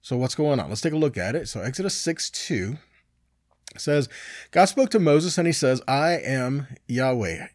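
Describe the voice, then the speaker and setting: Man, forties, Bible teacher, lively swinging intonation, conversational delivery, dry close sound. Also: mid-range voice, moderate pace, no echo. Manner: conversational, animated, frequent "right?" and "okay?" tags. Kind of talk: teaching sermon with scripture reading.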